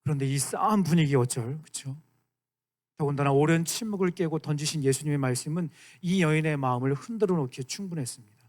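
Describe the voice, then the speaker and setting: A man in his thirties, a youth pastor giving a lively sermon to high school students and often asking them to agree. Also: fast. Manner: animated, keeps asking the room for agreement; acts out quoted lines in dramatic voices.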